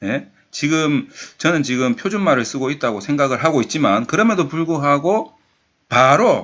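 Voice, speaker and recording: A man is speaking at a fairly quick pace. His voice is fairly high in pitch. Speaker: thesis writing consultant. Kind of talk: lecture. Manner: conversational, many fillers.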